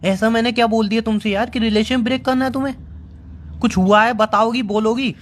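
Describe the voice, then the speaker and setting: A man's voice: very high-pitched, fairly even intonation, a little fast, a little hiss or hum. A man on a phone call with his girlfriend, defensive and exasperated, asking what went wrong. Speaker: boyfriend on a call. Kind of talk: heated phone argument.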